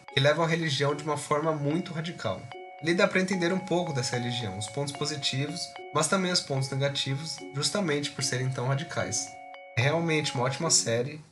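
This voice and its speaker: Man, podcast host, scripted narration, brisk upbeat manner, music underneath. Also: a little high.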